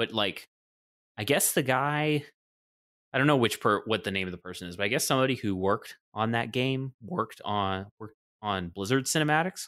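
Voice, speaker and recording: Bright and sharp in tone, a man speaks at a fairly quick pace. The sound is dry and close, with no echo. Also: medium pitch for a man, lively intonation. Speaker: podcast co-host. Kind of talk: casual chat.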